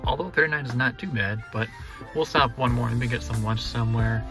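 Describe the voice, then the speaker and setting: A young man narrates a road trip vlog from inside a car. He talks in a casual, upbeat way, explaining details to his viewers. His voice sits at a middle pitch, with clear background music under it. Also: brisk. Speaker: vlogger.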